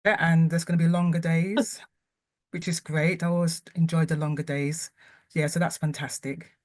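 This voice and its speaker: A woman's voice: low-pitched, fairly even intonation, normal speed, a little mellow, no echo, clean studio sound. A woman chatting casually and briefly as a guest speaker. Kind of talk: casual chat.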